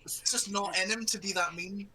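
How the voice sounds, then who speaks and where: A man's voice: high voice, fairly even intonation, normal speed, over a noisy crowd, poor audio. A man playing a tabletop role-playing game, describing his character's actions in casual, hesitant chat.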